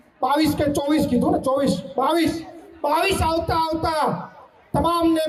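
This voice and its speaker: Recorded with audible room echo and noticeable background noise, a man speaks at an extremely high pitch with very even loudness. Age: young. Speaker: politician. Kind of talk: political rally speech. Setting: stage with audience. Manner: animated.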